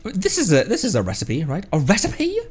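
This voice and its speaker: A streamer giving casual, excitable live commentary on a game, exclaiming and often repeating phrases. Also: medium pitch, a little fast, breathy edge. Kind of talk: casual gameplay livestream commentary. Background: video game music.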